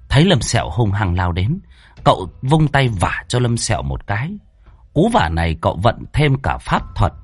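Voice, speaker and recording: A man narrating a ghost story in a lively, dramatic, colloquial way, with a husky voice. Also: on the low side, no echo.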